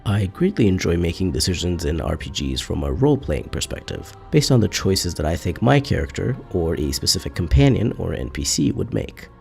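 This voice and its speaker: A man hosting his own gaming channel, reading a scripted video essay in a calm, measured, explanatory way. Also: low-pitched, vocal fry, soft background music.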